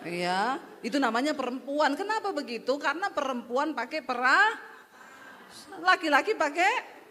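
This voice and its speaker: A woman's voice: sits high, animated, moderate pace, bright, forceful tone, in a large hall. A woman pastor preaching a sermon in a chatty, humorous way, speaking straight to her congregation.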